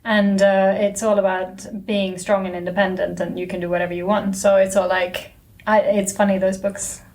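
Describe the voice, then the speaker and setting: A woman's voice: medium pitch, little pitch movement, moderate pace, a little mellow. A woman in her thirties whose first language is Swedish, co-hosting a podcast and telling long, rambling stories in casual chat. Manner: chatty, rambling storyteller. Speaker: podcast co-host.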